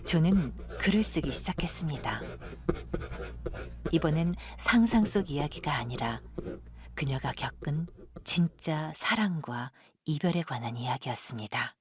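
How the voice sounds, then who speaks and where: A woman narrating a literary audio drama in a hushed, solemn, lyrical manner with a breathy voice. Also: low-pitched, animated, unhurried.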